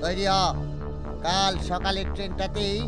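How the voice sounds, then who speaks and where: A mischievous boy robber from a children's cartoon, voiced by an actor. He is cocky and bossy, taunting and threatening as he talks. Loud music plays right behind the voice. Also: mid-range voice, flat delivery, unhurried, lightly acted. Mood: scheming. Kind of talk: animated children's cartoon dubbing.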